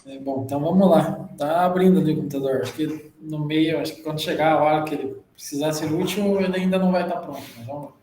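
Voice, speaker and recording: Brazilian man, higher register, explanatory journal-club presenter, roomy echo. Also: quick pace, few pauses, mellow, slight background noise. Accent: Brazilian Portuguese. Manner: explanatory, with frequent "né?" tag questions. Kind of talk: academic presentation.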